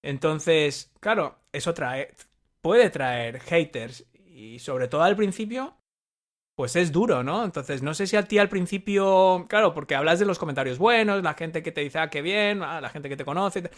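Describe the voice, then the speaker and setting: A man's voice: a little high, lively intonation, a little slow. Man hosting, hesitant searching questions. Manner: hesitant, restarts while framing questions. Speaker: podcast host, interviewer. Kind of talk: interview questions.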